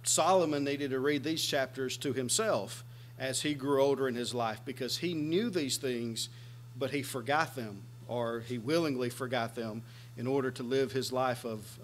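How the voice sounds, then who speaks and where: A man's voice: mid-range voice, a bit bright. A man in his forties preaching a sermon in a small church room, earnestly explaining scripture and gesturing as he talks. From United States. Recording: faint background hum.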